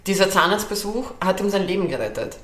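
A woman's voice: medium pitch, expressive, fast, echoey room. A young woman co-hosting a podcast in casual chat, talkative, laughing often and swearing casually. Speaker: podcast co-host.

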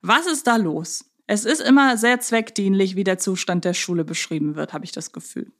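A woman co-hosting a podcast in a casual conversational style, talking in a measured, reflective way as she thinks her points through. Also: mid-range voice. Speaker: podcast co-host.

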